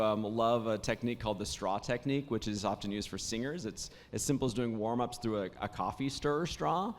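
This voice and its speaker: A man who is a voice actor, hoarse after days of talking, telling stories in casual panel conversation with plenty of restarts and fillers. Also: lowish voice, big-room sound, a little hiss or hum. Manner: warm storytelling, many restarts and fillers.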